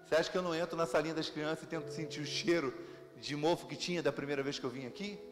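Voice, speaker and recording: A Brazilian pastor preaching in a church, his voice sitting high for a man as he tells lively stories. The sanctuary gives a long, ringing reverb, and soft music plays underneath. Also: very fast. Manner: lively storytelling with laughter. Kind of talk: sermon.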